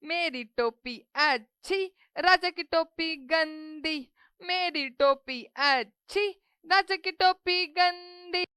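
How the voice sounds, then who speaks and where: A woman's voice: extremely high pitch, extremely slow, bright, forceful tone, no echo, studio quality, pitched above the performer's own voice, full character voice. A woman voicing a boastful little male mouse in a children's cartoon story, chanting his threats in a sing-song way. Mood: cocky, threatening.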